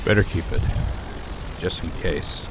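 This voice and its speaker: An actor playing a steady radio-station man who talks calmly and tersely and takes charge. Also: low voice, unhurried. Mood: tense. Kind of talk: radio drama acting. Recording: noisy radio-play track with effects.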